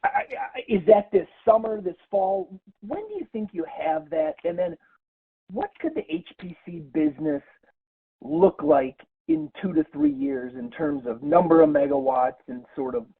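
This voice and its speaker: A man with a high, gravelly, husky voice asks a question on a call and stammers as he goes. His pitch swings widely, and the sound is dry and narrow like a phone. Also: huge pitch swings, normal speed, no room sound. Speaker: analyst asking a question. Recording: phone line audio.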